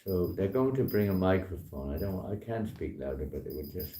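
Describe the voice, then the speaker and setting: A man with a hoarse voice giving an informal temple talk with dry, wry humor. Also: low voice, lively intonation, fairly quick, warm tone, slight background noise. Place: temple hall. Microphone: distant room mic, later handheld. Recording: echoey hall from far off.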